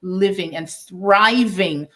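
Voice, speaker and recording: A woman from Canada, a guest on an interview, answering in an earnest, proud, measured way with pauses. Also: medium pitch, a bit bright.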